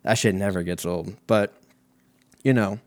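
Low-pitched young American man rambling casually. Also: steady tone, unhurried, no echo. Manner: rambling, profane, slangy storytelling. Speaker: host of a comedic talk show. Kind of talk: casual comedic monologue.

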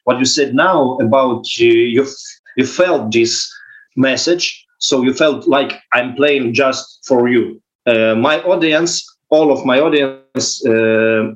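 Halting Ukrainian-born man, non-native English. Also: mid-range voice, muffled recording. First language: not English. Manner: halting, searching for English words with many fillers. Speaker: guest musician. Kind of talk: casual interview.

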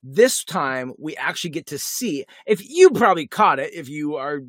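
Man, podcast co-host, casual recap chat, animated, slightly high voice, dry close mic. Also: no echo. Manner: animated, retells scenes with quick asides.

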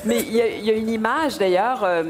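A woman, interviewing an author with warm enthusiasm. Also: fairly high pitch, fast talker, very noisy. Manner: enthusiastic, effusive. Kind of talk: radio interview.

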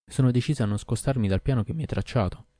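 A man's voice: medium pitch, quick pace, warm tone, no echo, studio quality, pitched above the performer's own voice, natural voice. A man voicing an anxious, obedient male bull in an audiobook, speaking earnestly.

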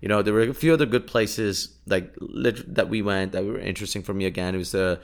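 Chatty man with a low voice. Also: steady tone, a little fast. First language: Urdu. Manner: chatty, laughs often, many fillers and restarts. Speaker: podcast host. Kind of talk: casual travel storytelling.

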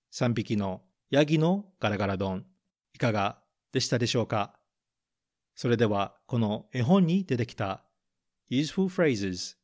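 A man reading a picture book aloud in English and Japanese, then explaining English phrases as a podcast host. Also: mid-range voice. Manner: slow, careful reading of English lines, then Japanese translation; plain explanatory teaching tone. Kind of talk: bilingual storybook reading and English lesson.

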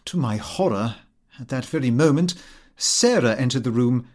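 A man's voice: mid-range voice, lively intonation, normal speed, darkish tone. A man narrating a comic Victorian diary, with a prim, aggrieved, theatrical manner. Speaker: audiobook narrator.

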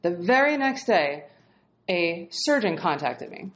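A woman guest telling a story in casual, animated talk, swearing freely and laughing as she goes. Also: lowish voice, slow pace. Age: adult, past marriage. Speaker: podcast guest.

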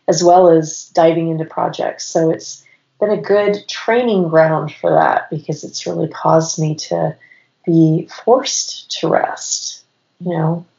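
A woman in her forties with a cold and a slightly raspy voice, telling her story as a podcast guest in long, strung-together sentences. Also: on the low side, mellow. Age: 40s. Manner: rambling, stacks clauses with "and". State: has a cold. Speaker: podcast guest, business owner. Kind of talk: casual interview storytelling. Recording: roomy, dull lo-fi sound.

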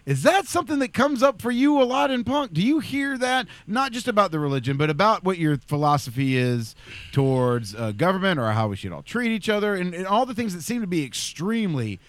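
A man's voice: sits high, sing-song, a little fast, dry recording. A man hosting a casual podcast chat, rambling and often restarting his sentences. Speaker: podcast host.

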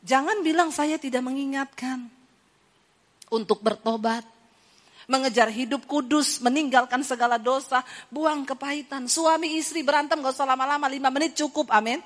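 High-voiced woman preacher in echoing hall. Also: normal speed. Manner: lively storytelling with mimicked voices. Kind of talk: sermon. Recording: hall reverb.

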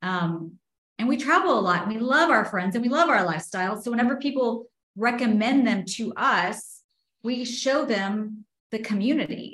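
A woman's voice: on the high side, fairly bright tone, roomy sound, poor audio. A woman from Spain who grew up in Texas, a real estate agent chatting upbeat about her business in an interview. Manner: chatty, upbeat, finishes her partner's sentences. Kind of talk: casual interview chat.

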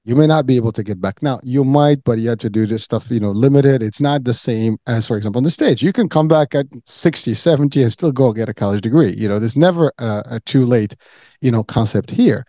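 A man's voice: mid-range voice, fairly quick, dark tone, no echo. A man from Morocco hosting a podcast, talking earnestly in a loose way, repeating words and saying "you know" a lot. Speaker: podcast host. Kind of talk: casual interview talk.

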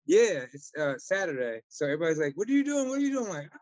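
A man's voice: on the high side, big pitch swings, fast talker, darkish tone, no room sound. A man hosting an interview, chatty and enthusiastic, laughing easily as he asks questions. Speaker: interviewer host. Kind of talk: casual interview chat. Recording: dull lo-fi dry sound.

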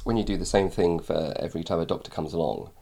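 A man, an author, chatting casually on a podcast, telling lively anecdotes with many pauses and ums. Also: low-pitched, gravelly. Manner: animated storyteller, many ums. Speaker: author guest.

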